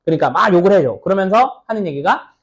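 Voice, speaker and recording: Guy teacher going over english exam stuff, kinda high voice, really bouncy up and down, chatty. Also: expressive, fast talker. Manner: chatty, asks students "right?" often, acts out little skits. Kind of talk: lecture explaining an exam passage.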